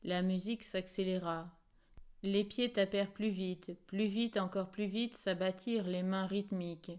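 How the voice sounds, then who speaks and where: A woman reading a novel aloud as an audiobook narrator, in a measured and expressive way. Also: mid-range voice, smooth. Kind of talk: scripted literary narration.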